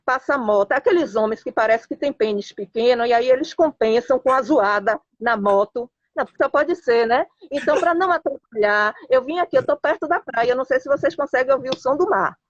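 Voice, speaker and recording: A woman's voice: sits high, expressive, a little fast, hardly any pauses, dry recording, lo-fi sound. A woman from Salvador with a Bahian Brazilian accent, talking outdoors near the beach as a passionate, outspoken interview guest. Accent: Bahian Brazilian Portuguese. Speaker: interview guest, football fan. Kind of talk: casual live interview.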